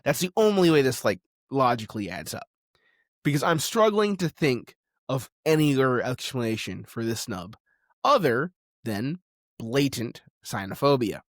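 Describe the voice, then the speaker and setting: A man's voice: mid-range voice, dry recording, clean studio sound. A man delivering opinionated video essay commentary in a conversational, insistent way, with informal asides. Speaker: commentator on film and animation.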